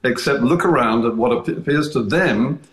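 A man who is a guest on a radio discussion, speaking in a measured, deliberate and firm way. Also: medium pitch. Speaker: studio guest. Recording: roomy echo.

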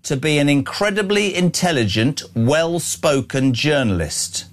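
A male host runs his talk show with a cheeky, mock-serious edge, needling his guest for fun. His voice sits a bit high for a man and swings up and down with lively, animated intonation. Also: measured pace. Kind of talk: brash teasing radio chat.

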